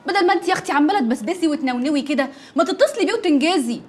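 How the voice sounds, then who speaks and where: High, quick, teasing work friend, faint score under. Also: female voice, lively intonation, darkish tone. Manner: teasing, nosy. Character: teasing woman teacher friend. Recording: TV drama with faint music.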